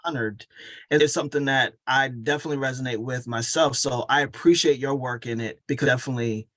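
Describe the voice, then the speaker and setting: A man's voice: medium pitch, quick pace, fairly bright tone. A man hosting a conversational interview in an affirming, reflective way. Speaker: interviewer, coach.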